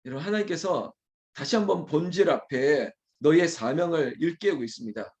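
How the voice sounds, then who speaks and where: A man, a pastor, preaching an early morning prayer sermon in a candid, conversational way, teasing and scolding his small congregation, then quickly apologizing. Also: on the high side, lively intonation, darkish tone.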